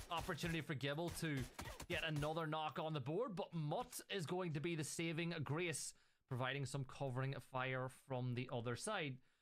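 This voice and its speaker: A man with an Irish accent speaks at a moderate pace in a fairly high pitch, with ordinary pitch variation. His loudness stays very even. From Ireland. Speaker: esports caster. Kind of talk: live commentary.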